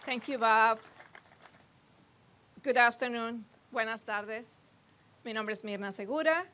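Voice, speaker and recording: Bright, high Mexican-accented woman speaker. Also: unhurried. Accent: Mexican Spanish. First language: Spanish. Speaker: community development speaker. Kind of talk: formal prepared speech. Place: outdoor park ceremony.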